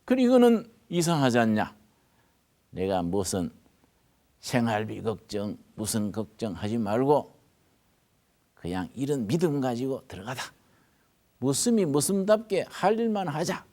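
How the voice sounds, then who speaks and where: Older pastor with a Gyeongsang accent. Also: male voice, medium pitch, very animated, measured pace, long pauses. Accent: Gyeongsang Korean. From North Gyeongsang, Korea. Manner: folksy, swings from hushed asides to loud emphatic bursts. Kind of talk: storytelling sermon.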